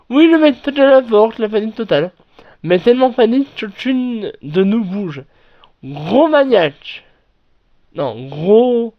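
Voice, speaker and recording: A man reading internet horror stories aloud and then commenting on them, in a halting way with frequent restarts and self-corrections. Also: high voice. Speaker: online horror story narrator. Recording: dull lo-fi recording.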